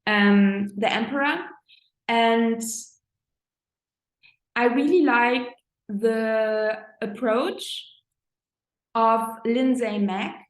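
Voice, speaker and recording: A woman with a German accent, a German native speaker, giving a reflective spiritual talk as an astrologer, pausing to search for words. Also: on the high side. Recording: echoey room.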